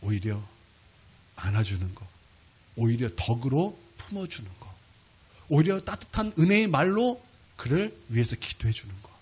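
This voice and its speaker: A man preaching a sermon as pastor, telling a story with lively, sudden loud peaks. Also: medium pitch, moderate pace, pauses often, slightly rough. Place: church sanctuary.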